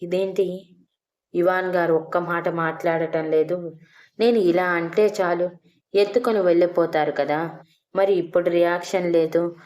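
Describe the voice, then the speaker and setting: A woman's voice: fairly low pitch, fairly even intonation, measured pace, pauses often, a little mellow, close to an everyday voice. A woman voicing a playful older wife in an audio story, teasing her husband and then coaxing him. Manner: teasing, pleading.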